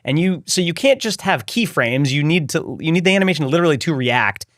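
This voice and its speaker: A man in his forties hosting a podcast, asking curious questions in a relaxed, animated way from his home studio. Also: on the high side, fairly quick, no room sound. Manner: curious, animated, gestures while talking. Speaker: podcast host. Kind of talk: casual interview talk. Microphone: studio mic on a boom arm.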